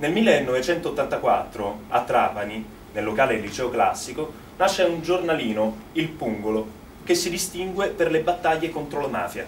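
A man speaks at a moderate pace with lively intonation. There is audible room echo and light background noise. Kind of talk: dramatic reading, narration. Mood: earnest, committed storytelling. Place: stage. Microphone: camera far.

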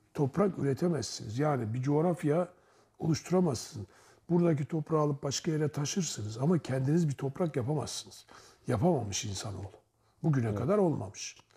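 Over a quiet background, a man speaks at a fairly quick pace in a fairly high pitch, somewhat breathy, with a dark, mellow tone and lively intonation. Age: 60s. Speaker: agricultural council head. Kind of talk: interview. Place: office. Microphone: lapel.

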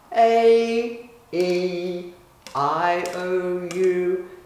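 A woman's voice comes with audible room echo. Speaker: teacher. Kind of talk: lesson to young pupils. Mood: warm, encouraging. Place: home room.

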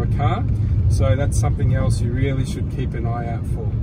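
Loud background noise sits behind a man talking at a moderate pace. The sound is dry, with no echo. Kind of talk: casual vlog chat. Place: car. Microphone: phone near.

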